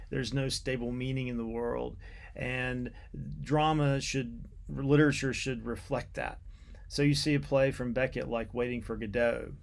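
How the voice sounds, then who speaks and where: A man giving an unscripted academic literature lecture in a halting, deliberate way, repeating words as he explains. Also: medium pitch, gravelly.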